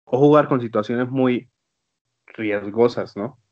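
A man's voice: mid-range voice, slow pace, no room sound. Male host, teasing banter, dry close sound, a bit muffled. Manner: joking, teasing. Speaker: podcast host. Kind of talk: casual chat.

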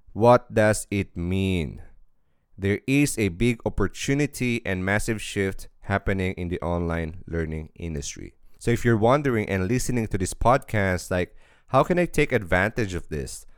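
A man's voice: fairly low pitch, smooth, dry recording, clean studio sound. A man hosting a podcast, giving an upbeat, salesy promotional intro and then questioning his guest. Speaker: podcast host.

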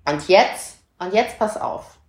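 A woman chatting casually on a podcast, telling a story in an animated way and acting out the dialogue. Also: fairly low pitch, slow, reverberant.

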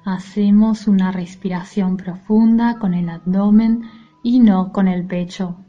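A woman leading a guided mindfulness meditation in a soothing, gentle, soft-spoken manner. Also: mid-range voice, steady tone, measured pace, lo-fi sound. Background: music.

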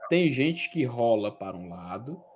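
A man's voice: mid-range voice, big pitch swings, a little slow, a crowd in the background. A man co-hosting a casual chat, tired and joking in teasing banter. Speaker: podcast co-host.

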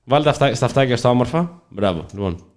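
A man co-hosting a satirical chat show, animated and rambling in mock-patriotic tones. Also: medium pitch. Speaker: podcast co-host.

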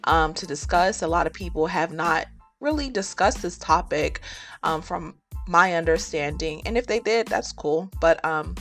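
A woman with a low, gravelly voice teaches the Bible in an earnest, chatty way. She fills her talk with ums and falls into preacherly rhymes. Faint music plays behind her. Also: expressive, normal speed, fairly bright tone. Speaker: podcast host and teacher.

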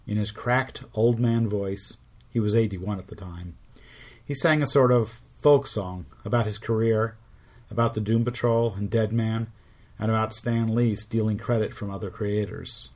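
A middle-aged man hosting a podcast, telling stories in measured scripted narration with wry asides. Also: fairly low pitch, darkish tone. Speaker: podcast host.

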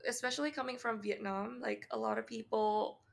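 A woman with a Canadian accent and heavy vocal fry, co-hosting a casual podcast chat with long pauses. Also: fairly high pitch, steady tone. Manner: long pauses, candid and swearing. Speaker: podcast co-host.

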